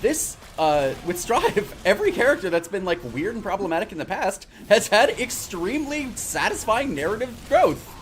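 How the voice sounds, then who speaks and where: A man's voice: high voice, very animated, moderate pace, hardly any pauses, slight background noise. A man in casual voice chat while gaming, joking and teasing. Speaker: gamer chatting while playing.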